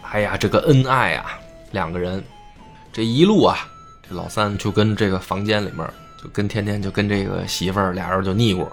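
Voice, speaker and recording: A man's voice: low voice, brisk, gravelly, soft background music. A man telling a folk tale in a chatty, joking way with asides. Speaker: storyteller. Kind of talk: casual comic storytelling.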